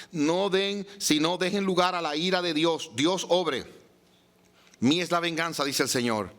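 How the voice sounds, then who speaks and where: A pastor preaching a sermon, reading scripture and asking the congregation rhetorical questions. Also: male voice, on the high side, fairly bright tone.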